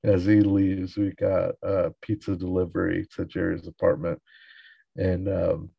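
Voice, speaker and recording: Man recapping an episode, very low gravelly voice, dark husky tone, chuckling, dry muffled recording. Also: flat delivery, a little slow, no room sound. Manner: loose and chuckling, with frequent fillers.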